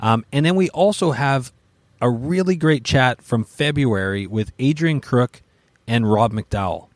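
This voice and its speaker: A man's voice: medium pitch, animated, measured pace, no room sound. A man speaking as a podcast host. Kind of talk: podcast hosting, sponsor reads and chat.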